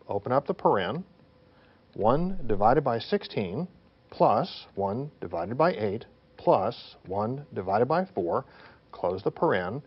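A man's voice: mid-range voice, lo-fi sound. A man teaching as a technical instructor, explaining worked examples step by step in an emphatic, didactic way, often posing questions and answering them.

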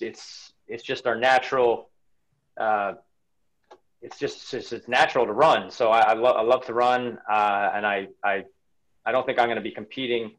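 A man's voice: lowish voice, a bit bright, dull audio. Reflective man in his forties. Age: 40s. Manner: reflective, many restarts and repeated words. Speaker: interview guest, runner. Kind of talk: casual video-call interview. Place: home room indoors. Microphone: webcam on a video call.

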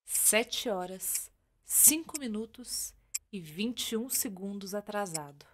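A woman's voice: medium pitch, expressive, a little hiss or hum. Brazilian woman narrating a radio drama. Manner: theatrical, with deliberate dramatic pauses.

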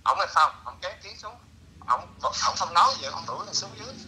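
A middle-aged man tells a story in a casual, lively way, his voice very bright and a little high. He drops into broken English phrases as he talks. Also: quick pace, low-quality recording. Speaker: interviewee.

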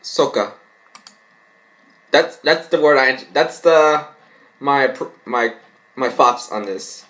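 Halting young man reading aloud casually. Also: medium pitch, fairly bright tone. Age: young adult. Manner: halting, stumbling over words. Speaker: vlogger reacting to and reading fan fiction. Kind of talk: casual rambling reaction and amateur read-aloud. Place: small home bedroom.

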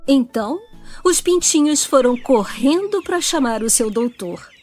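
A woman's voice: high-pitched, lively intonation, a little slow, darkish tone, faint music behind. A woman with a Brazilian accent narrating a storybook for children.

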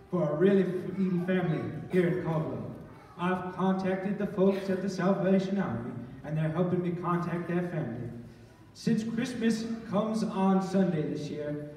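A man playing an earnest small-town pastor preaching in measured phrases in a stage radio play. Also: high voice, darkish tone. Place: large church auditorium, recorded from the audience. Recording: echoey hall from far off, faint noise.

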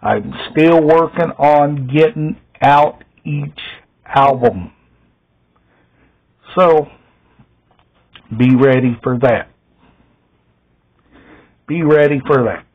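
Very slow, halting middle-aged man. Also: fairly high pitch, muffled recording. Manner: halting, short phrases with long gaps. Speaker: video host showing a music collection. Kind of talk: casual show-and-tell vlog. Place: small indoor room at home.

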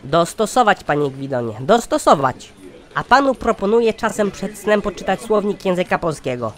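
A man's voice: high-pitched, very animated, normal speed, a bit bright. A man voicing a pompous, sardonic company chairman in a satirical cartoon, speaking formally. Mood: exasperated, lecturing. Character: pompous, exasperated male company chairman, scheming boss.

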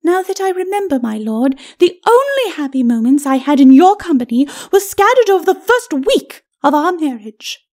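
Woman acting scornful skeleton lady, high and lilting. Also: sing-song, normal speed, hardly any pauses, darkish tone. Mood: wistful, bitter. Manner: arch, cutting, formal archaic speech. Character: scornful, taunting skeleton lady, an embittered wife. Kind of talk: storybook character acting.

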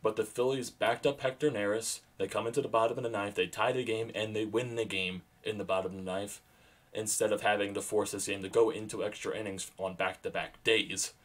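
A young man with a fairly low voice talks through the game from a small room at home, speaking into his webcam. He swings from calm to loud, excited bursts on the big plays. His throat is sore and his voice is starting to go. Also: brisk. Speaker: sports vlogger. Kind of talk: excited fan game recap.

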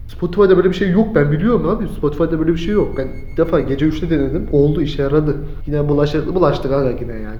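A man talks low and nervously into his computer mic late at night, cursing now and then. His voice is mellow and dark in tone. The sound is muffled and lo-fi, bouncing around an echoey room with a faint hiss underneath. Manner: hushed, jittery, swears often. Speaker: vlogger. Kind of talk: casual late-night horror vlog.

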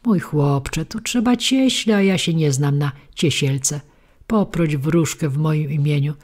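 A woman voicing a calm, phlegmatic male snail who speaks slowly and never hurries, in a storybook reading. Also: sits low. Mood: placid. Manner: slow, unhurried, unbothered.

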